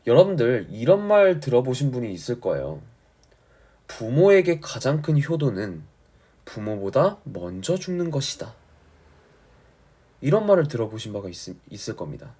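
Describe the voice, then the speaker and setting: Husky male teacher with animated delivery. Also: medium pitch, normal speed. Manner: didactic, emphatic, often checks understanding. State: sore throat. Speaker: Korean language and literature teacher. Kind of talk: exam-prep lecture explaining a classic story to students.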